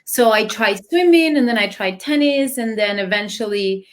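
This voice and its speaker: A woman's voice: on the high side, normal speed. Chatty woman with an Argentine accent. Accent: Argentine Spanish. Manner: relaxed and chatty, many fillers. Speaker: guest, dancer. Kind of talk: casual interview chat.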